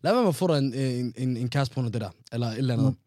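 A man's voice: medium pitch, no echo, clean studio sound. A man chatting casually and teasingly with a friend, playful and full of slang. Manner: playful, teasing, lively, mixes Danish with English slang. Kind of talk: casual chat.

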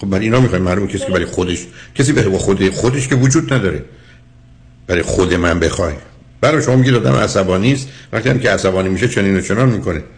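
An older man hosting a call-in counseling show, talking to callers in a blunt, teasing, lecturing way. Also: deep voice. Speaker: counselor host. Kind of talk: call-in advice talk.

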